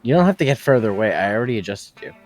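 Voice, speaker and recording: Low-voiced thirtyish guy razzing his buddies, bouncy delivery. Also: sing-song, soft background music. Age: 30s. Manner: teasing, quick jabs. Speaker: co-host friend on the stream. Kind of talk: casual teasing chat.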